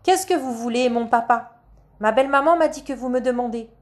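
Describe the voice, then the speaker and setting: An eager little girl performing in a play , voiced by a woman narrator. She projects loudly and clearly, higher than the reader's own voice, in a storybook reading. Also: fairly even intonation, measured pace, natural voice. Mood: earnest.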